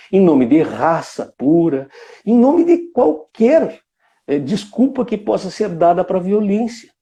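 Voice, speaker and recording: A man's voice: mid-range voice, gravelly, dark tone. A man from Brazil giving a reflective live talk, musing aloud with frequent tag questions and restarts. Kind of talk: reflective spoken lecture.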